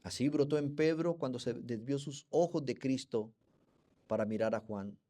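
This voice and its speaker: A man's voice: mid-range voice, moderate pace, warm tone. Fervent Colombian male preacher. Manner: fervent, addresses the congregation as brothers. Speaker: pastor. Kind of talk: expository sermon.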